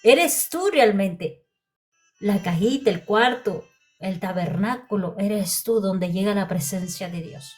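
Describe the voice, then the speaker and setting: A woman's voice: medium pitch, takes it slowly, soft background music. A woman preacher giving a heartfelt sermon testimony, often repeating her phrases. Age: adult.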